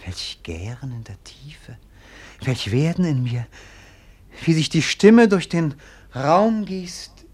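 An actor playing a bored, melancholy young prince in a radio play, declaiming lyrically. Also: male voice, on the high side, lively intonation, takes it slowly, a little mellow, husky, exaggerated voice. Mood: melancholy, rapt. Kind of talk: theatrical German radio play acting.

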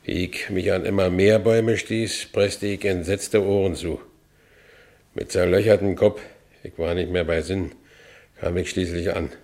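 A man's voice: sits low, fairly even intonation, a little slow, a little mellow. An actor playing a haunted working-class Berlin man who recounts his past bitterly in a radio drama, with a Berlin accent. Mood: haunted, brooding. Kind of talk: radio drama first-person narration.

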